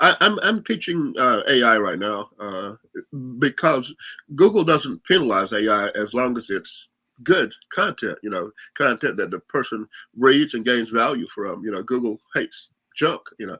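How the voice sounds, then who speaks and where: At a moderate pace, a man with a bright, sharp tone and medium pitch speaks with very wide pitch swings, in a dry, close sound with no echo. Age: 60s. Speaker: internet marketer. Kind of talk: interview. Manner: halting.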